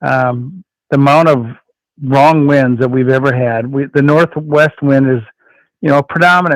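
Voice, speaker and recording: In an unremarkable speaking voice, a man talks at a moderate pace with fairly high pitch and fairly even intonation, the sound dry and close with no echo. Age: 60s. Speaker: deer hunter. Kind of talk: casual radio interview.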